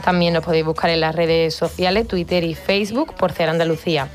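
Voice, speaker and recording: A woman hosts a radio show, keeping the talk moving with short, encouraging prompts. Her voice sits a little low for a woman. She speaks from a radio studio. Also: steady tone, brisk, faint music behind. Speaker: radio host. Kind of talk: radio interview.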